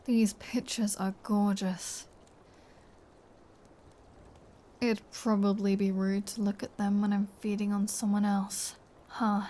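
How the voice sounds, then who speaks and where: A woman playing a flirty, taunting vampire in an ASMR audio roleplay, smug and playful, dropping into breathy whispers. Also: mid-range voice, little pitch movement, measured pace, warm tone, slight background noise, natural voice. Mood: teasing, taunting.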